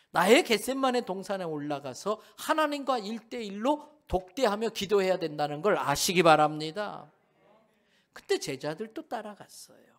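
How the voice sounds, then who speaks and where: A male pastor preaching in a church sanctuary, with a high voice that swoops up and down a lot. He tells the story vividly and keeps quizzing the congregation. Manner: animated storytelling, asks the congregation questions. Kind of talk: sermon.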